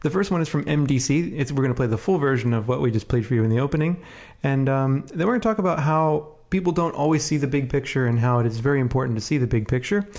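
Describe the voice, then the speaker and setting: A man's voice: mid-range voice, fast talker, hardly any pauses. Sniffly man co-hosting a casual podcast. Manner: relaxed, chatty, many fillers. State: congested from a cold, sniffling. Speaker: podcast co-host.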